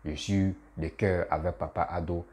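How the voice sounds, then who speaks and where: A man, a comedian talking casually to his followers in an animated, repetitive way, often laughing at himself. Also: low voice, normal speed. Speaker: comedian and YouTuber. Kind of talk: casual political commentary vlog.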